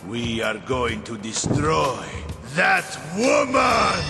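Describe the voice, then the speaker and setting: A man's voice: fairly high pitch, wildly swooping pitch, takes it slowly, vocal fry, raised voice, loud music behind the voice, heavily acted. A man playing a grim, vengeful, commanding elder in an English anime dub. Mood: menacing, commanding.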